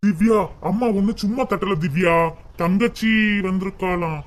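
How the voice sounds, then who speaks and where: A man's voice: high voice, moderate pace, natural voice. A man voicing a dutiful grown son and husband who soothes his family with repeated coaxing in a cartoon. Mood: soothing. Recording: clear hiss under the voice.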